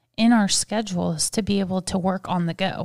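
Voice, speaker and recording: A soft-spoken woman talks at a moderate pace with medium pitch and fairly even intonation. The sound is dry and close with no echo, and the very clean recording has a silent background. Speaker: podcast co-host. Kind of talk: casual chat. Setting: studio.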